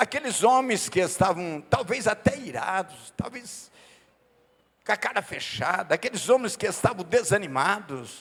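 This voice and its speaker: At a fairly slow pace, a man with a high voice speaks with lively intonation. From interior of São Paulo state, Brazil. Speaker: visiting preacher. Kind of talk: sermon. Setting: church. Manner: animated.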